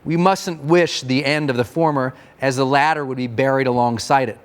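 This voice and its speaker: A man's voice: mid-range voice, steady tone, moderate pace, smooth. A man reading a scripted motivational manifesto in an earnest, declamatory way. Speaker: narrator.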